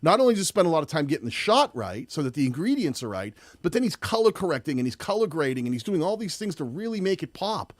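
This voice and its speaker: Loud-voiced man hosting a live stream. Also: a little high, big pitch swings, fast talker, hardly any pauses, dry recording. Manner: rambling, many restarts. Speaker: host. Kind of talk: live-streamed tutorial chat.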